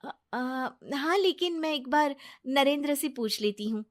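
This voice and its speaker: Cartoon voice: high, earnest young wife, pleading tone, a woman doing it. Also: expressive, measured pace. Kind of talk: cartoon story voice acting.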